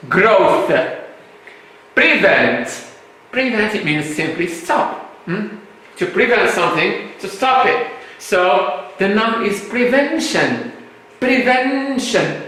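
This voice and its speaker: A male English teacher from Morocco, a native Arabic speaker, slowly explaining vocabulary to a class, often checking with "right?" and "hmm?". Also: high-pitched, pushed and bright. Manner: slow, repetitive explaining with tag questions. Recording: very echoey room.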